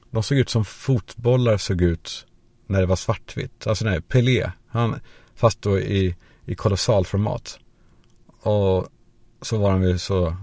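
A man's voice: lowish voice, mellow, no echo. A man hosting a podcast, telling a rambling, crude comic story as a monologue and acting out the voices of the people in it. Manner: rambling, crude anecdotal humor; acts out quoted voices. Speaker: podcast host.

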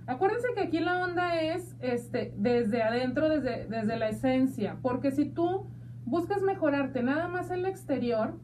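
A woman with a Mexican accent hosting a talk show, chatty and playful, speaking warmly to her listeners. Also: high-pitched, animated, a little slow, recorded from a distance, a little hiss or hum. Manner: chatty and playful, calls listeners "hija de mi vida". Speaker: radio show host. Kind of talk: casual talk show chat.

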